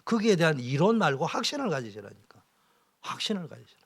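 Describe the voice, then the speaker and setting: A middle-aged male pastor, preaching a training lecture, swinging from loud exhortation to whispers. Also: fairly high pitch, very animated, fast, slightly rough. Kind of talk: sermon-style training lecture.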